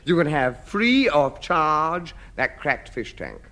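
A man's voice: on the high side, sing-song, slow pace, background noise, full character voice. An actor playing a sly, wheedling male junk dealer in a 1950s radio comedy, with a salesman's patter.

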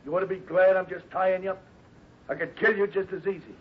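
An actor playing a menacing escaped convict in a radio adventure, with sneering, slangy tough talk. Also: male voice, high voice, fairly even intonation, fairly quick, breathy edge. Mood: cocky menace. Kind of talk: 1950s radio adventure acting. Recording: muffled, noisy 1950s radio recording.

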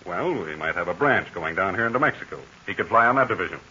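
A man's voice: low-pitched, expressive, fast, pushed and bright, heavily acted. An actor playing an easygoing, fatherly aviator hero in 1940s radio style. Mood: amused, easygoing. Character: easygoing, fatherly aviator hero leading his young companions. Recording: dull, hissy 1940s radio recording.

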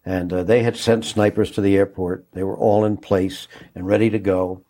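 Low husky older man recalling. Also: flat delivery, warm tone. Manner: halting, with many restarts, low and husky. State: moved, choking up. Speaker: interviewee recalling a broadcast. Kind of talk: reflective interview recollection.

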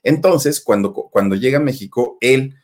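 A man's voice: medium pitch, expressive, moderate pace, darkish tone. A man with a Mexican accent telling a gossip story in a chatty way, talking straight to his listeners. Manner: chatty, addresses listeners directly, many fillers. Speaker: storytelling host.

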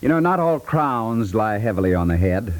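A man's voice: fairly low pitch, very animated, normal speed. A man reading a scripted promotion as a polished network radio announcer in 1950s style.

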